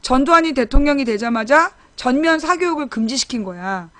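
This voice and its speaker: A woman's voice: high voice, lively intonation, fairly quick, a bit bright, dry recording. A woman in her forties hosting a talk show, animatedly telling family stories and acting out quotes. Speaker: host. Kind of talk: casual storytelling chat.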